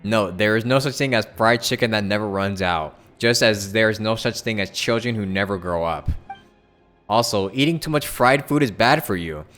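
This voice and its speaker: A man's voice: on the low side, moderate pace, a bit bright, soft background music. A man live streaming a video game, chatting casually and reading aloud in an offhand way. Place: indoors, streaming with game music behind.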